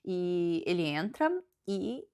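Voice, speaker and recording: A woman's voice: fairly low pitch, slow, smooth. Chatty woman with a Brazilian accent. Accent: Brazilian Portuguese. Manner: animated, chatty, thinks aloud. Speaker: book vlogger. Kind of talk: casual book review and retelling.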